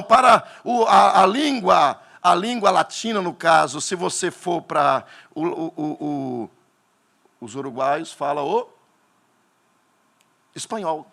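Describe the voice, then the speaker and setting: Pastor, male, Northeastern Brazilian accent, fiery sermon delivery, lively swinging pitch. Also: slow, gravelly. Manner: animated preaching, bursts into shouting at climaxes.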